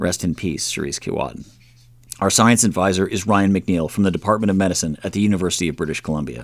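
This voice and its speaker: Speaking very fast with vocal fry, a man with a Canadian accent has a very deep, low pitch and ordinary pitch variation. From Canada. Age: 40s. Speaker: podcast host and former heroin user. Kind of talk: documentary narration.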